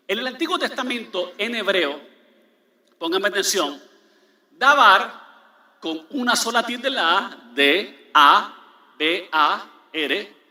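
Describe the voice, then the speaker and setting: A man preaching in a big church, his high, piercing voice ringing through an echoing hall. He leans hard on key words, repeats them, and keeps asking the congregation whether they follow. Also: pushed and bright. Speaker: pastor. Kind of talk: sermon. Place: large church.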